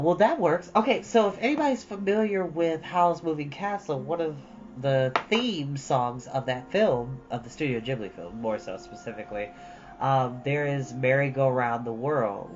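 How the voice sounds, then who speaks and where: A man's voice: mid-range voice, muffled recording, background noise. A man hosting a storytime channel, speaking casually in an earnest, reflective and encouraging way. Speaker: host of a storytime reading channel. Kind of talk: casual chat and expressive book reading.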